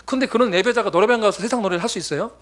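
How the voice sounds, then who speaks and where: A man preaching a sermon as a missionary, telling stories in a lively way and acting out his friends' voices. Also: sits high, racing. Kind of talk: sermon with storytelling. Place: church sanctuary.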